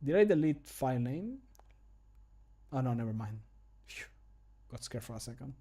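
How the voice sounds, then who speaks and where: A man's voice: medium pitch, big pitch swings, moderate pace, mellow. Jokey man chatting casually on a livestream. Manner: jokey, self-commenting, casually sweary. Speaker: streamer recording mod voice lines. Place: small home room.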